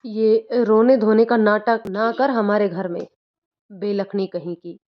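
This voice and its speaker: A woman voicing a cruel village mother-in-law who shouts and taunts, in a dull lo-fi recording. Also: medium pitch, steady tone, slow, natural voice. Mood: scolding. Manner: harsh, scolding, taunting.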